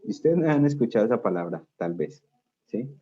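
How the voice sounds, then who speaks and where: A man with a medium-pitched, mellow voice lectures a class briskly and very animatedly, explaining step by step and often asking check questions to see if students follow. The recording sounds dull and lo-fi, with slight background noise.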